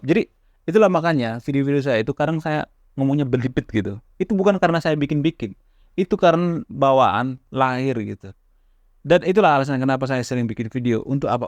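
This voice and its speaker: Speaking casually to camera as a YouTube host, a man with a medium-pitched, darkish voice sometimes stammers, restarts his words, and uses conversational fillers. The recording is dry, captured on a close camera mic.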